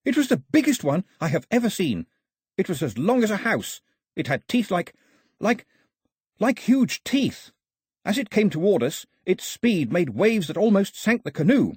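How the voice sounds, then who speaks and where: A man voicing an excitable, nervous young boy who tells a tale in a high, dramatic voice. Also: fairly quick, few pauses, husky, no room sound, studio quality, full character voice. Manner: breathless, dramatic, high-pitched.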